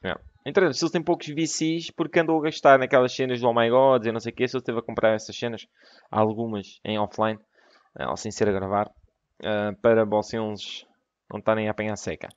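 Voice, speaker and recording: A young man with a European Portuguese accent doing excitable let's play commentary, breaking into loud exclamations. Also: medium pitch, a little fast, no echo, lo-fi sound. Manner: excitable, bursts into exclamations and laughter. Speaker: gaming YouTuber.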